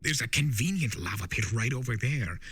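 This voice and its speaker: A man's voice: medium pitch, animated, a bit bright, husky, voice pushed up. Theatrical chaos spirit, scolding, acted by a man. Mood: pressing, earnest. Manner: theatrical, emphatic, drawn-out words. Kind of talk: dramatic fan-fiction reading.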